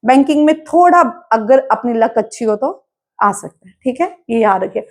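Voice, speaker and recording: A woman's voice: fairly high pitch, animated, normal speed. A woman teacher giving an exam-prep lesson, drilling her students by asking a question and then answering it herself, mixing English terms into her speech. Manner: mixes English terms into Hindi.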